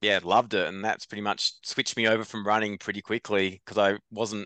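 A man speaks in a medium-pitched voice with a bright, sharp tone. The sound is dry and close, with no echo. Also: quiet background. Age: 40s. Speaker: retired professional triathlete and commentator. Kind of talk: casual chat. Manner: talkative.

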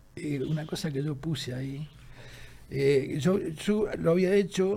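A man speaks at a fairly slow pace in a fairly high pitch, with ordinary pitch variation. His tone is dark and mellow, and somewhat breathy. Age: 60s. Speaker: illustrator and cartoonist. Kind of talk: casual interview chat.

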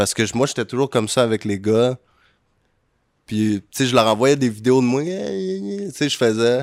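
In a very clean recording with a silent background, a man speaks at a moderate pace with long, frequent pauses. His voice sits at a medium pitch with ordinary pitch variation. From Montreal, Quebec (born in Indonesia). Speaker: rapper. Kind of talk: casual interview.

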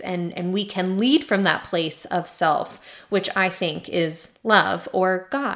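With an American accent, a woman talks very slowly at a medium pitch in a warm, upbeat tone. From Los Angeles, US. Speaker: podcast host and self-love coach. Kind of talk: personal monologue. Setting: recording at family home. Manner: warm, upbeat, frequent laughs and filler.

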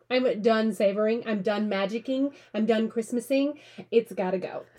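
With an ordinary speaking voice, a woman's fairly high pitch shows ordinary pitch variation. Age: 30s. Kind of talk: casual chat.

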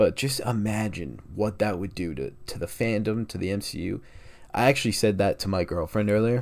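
A man's fairly low voice comes through on a very clean recording with a silent background. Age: 20s. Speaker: podcast host. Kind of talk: casual monologue. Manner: rambling.

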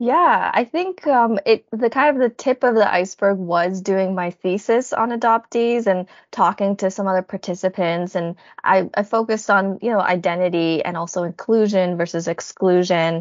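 An ordinary speaking voice from a woman, medium in pitch, at a moderate pace with hardly any pauses and ordinary pitch variation. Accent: Canadian. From Canada. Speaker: adoptee advocate. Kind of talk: interview.

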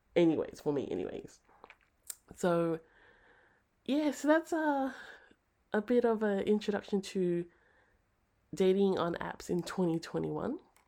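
In an Australian accent, the speaker talks at a fairly slow pace with long, frequent pauses and a dark, mellow tone. The pitch swings very widely, and the recording is very clean with a silent background. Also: woman, medium pitch for a woman. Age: 30s. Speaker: podcaster. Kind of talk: casual solo monologue about personal experiences. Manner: casual, chatty, laughs often.

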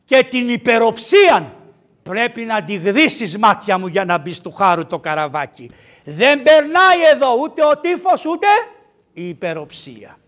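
Speaking at a fairly slow pace, a man with a high-pitched voice makes very wide pitch swings. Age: 60s. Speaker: priest and missionary. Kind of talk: lecture. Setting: hall with audience. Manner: animated.

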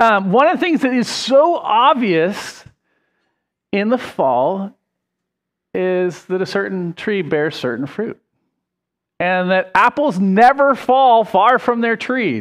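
Speaking with an American accent at a very slow pace with long, frequent pauses, the voice comes through in a very clean recording with a silent background. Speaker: pastor. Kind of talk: sermon.

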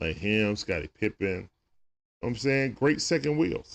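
This man has an Atlanta accent. He speaks with lively intonation. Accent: Southern US, Atlanta. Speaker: sports fan livestreamer. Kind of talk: live sports commentary, play-by-play. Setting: live stream with chat. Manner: animated, rapid-fire play-by-play, emotional; casual, chatty with viewers.

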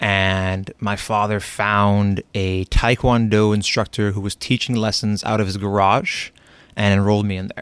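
Over a very clean recording with a silent background, a man with a fairly low voice speaks fairly slowly in a flat monotone. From US South, South Florida. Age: 30s. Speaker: jiu-jitsu instructor. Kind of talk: casual chat.

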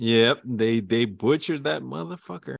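With an ordinary speaking voice, a man talks at a moderate pace in a fairly low pitch, using lively intonation. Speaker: podcast co-host. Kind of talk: casual podcast banter.

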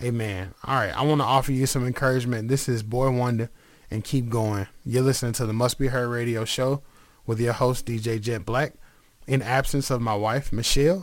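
A man in a normal speaking voice, talking at a moderate pace and medium pitch with fairly even intonation. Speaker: radio host and testimony speaker. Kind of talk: fervent prayer; live radio show with personal testimony. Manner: earnest, fervent, emotional; casual, friendly.

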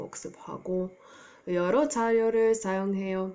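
A woman at a medium pitch talks at a very slow pace. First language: not Korean (Korean learner) (speaking Korean). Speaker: podcast co-host, Korean learner. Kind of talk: casual chat.

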